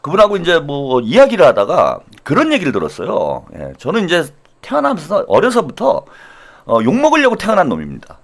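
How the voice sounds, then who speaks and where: A man delivers a self-mocking satirical monologue as host of his channel. His voice sits high and leaps around a lot, moving between low asides and loud outbursts. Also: wildly swooping pitch, brisk.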